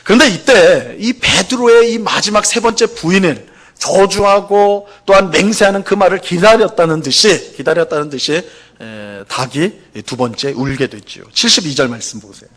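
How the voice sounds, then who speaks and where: Man, pastor, sermon, higher-pitched voice, rhetorical questions, acted-out quotes. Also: normal speed, a bit bright. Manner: asks the congregation questions and acts out quotes. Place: church sanctuary.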